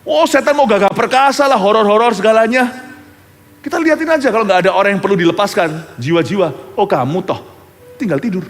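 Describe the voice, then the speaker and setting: Animated preaching man in a big reverberant hall. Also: fairly quick. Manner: animated preaching, swinging between loud bursts and hushed low lines. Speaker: pastor. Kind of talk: sermon. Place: large church hall. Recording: church hall with long reverb.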